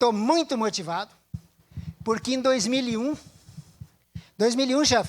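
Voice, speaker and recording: A man with an extremely high pitch and an animated tone speaks at a moderate pace with ordinary pitch variation. Long pauses come often. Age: 60s. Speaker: agronomist. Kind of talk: lecture.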